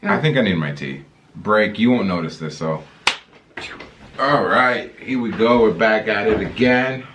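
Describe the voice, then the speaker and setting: A young man from the Dominican Republic chatting casually with his girlfriend on their vlog, easygoing and quick to laugh. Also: fairly low pitch, background noise. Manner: easygoing, laughs a lot, lively intonation. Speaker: vlogger's boyfriend. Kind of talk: casual couple chat.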